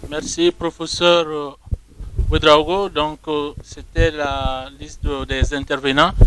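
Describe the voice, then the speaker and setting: A man with a West African French accent formally moderating a panel in halting, measured phrases. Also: a little high, little pitch movement, background noise.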